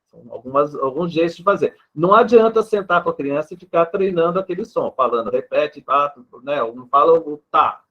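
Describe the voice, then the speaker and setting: A man's voice: on the high side, lively intonation, fairly quick. A man with a Brazilian Portuguese accent, a speech therapist, patiently explaining with examples and a habit of tagging his sentences with a questioning "né". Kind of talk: explanatory interview answer. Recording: dull lo-fi sound.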